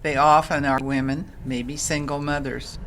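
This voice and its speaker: Woman doing a kind catholic sister in an audio drama, low voice, explains patiently. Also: level tone, measured pace, a bit bright, a little hiss or hum, low-quality recording. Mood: patient, explaining. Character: kindly, patient Catholic sister running a charity center.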